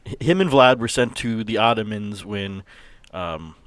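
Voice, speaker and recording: A man explaining a character's background in a casual, halting way as a podcast guest. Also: on the low side, expressive, dry recording. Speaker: podcast guest introducing his game character.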